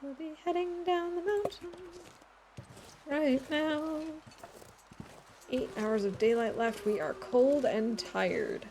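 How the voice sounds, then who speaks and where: A woman's voice: sits high, takes it slowly, pauses often, darkish tone, slight background noise. A woman streaming a game in casual chat, answering her chat and laughing often as she talks. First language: English. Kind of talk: casual chat while playing.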